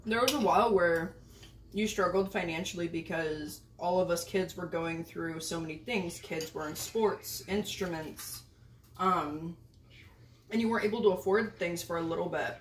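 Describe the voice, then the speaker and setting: A woman's voice: fairly low pitch, normal speed, slight background noise. Young woman in an echoey room. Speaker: guest, host's daughter. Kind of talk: casual interview chat.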